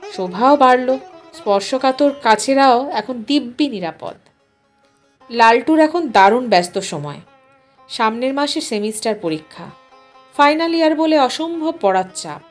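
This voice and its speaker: A woman tells a literary story as an expressive narrator. Her voice is a little high. Music plays behind her reading.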